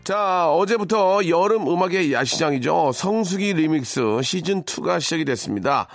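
Joking radio host with a gravelly voice. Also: male voice, fairly high pitch, lively intonation, moderate pace, no room sound, studio quality, faint music behind. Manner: joking, teasing, chatty. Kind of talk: playful radio banter.

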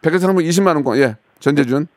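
A man's voice: a little high, racing, no room sound. A male radio host chatting casually and teasingly with callers. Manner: joking, rambling, teasing.

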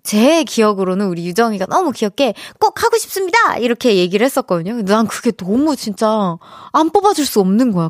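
A woman's voice: mid-range voice, no room sound. Young woman radio DJ, giggly and dry. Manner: chatty, laughs often between stories. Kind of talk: reading listener messages on radio. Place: radio studio.

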